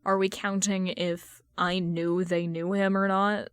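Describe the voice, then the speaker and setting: A woman's voice: lowish voice, level tone, a little slow, smooth, no echo, close to an everyday voice. Woman reading as earnest, defensive young male streamer. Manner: casual, mildly defensive. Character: bashful, earnest young man streaming for the first time.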